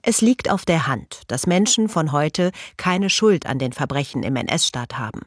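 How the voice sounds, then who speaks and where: Documentary narrator, measured scripted read, dry close studio sound. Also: mid-range voice, husky, no room sound. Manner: measured, even delivery.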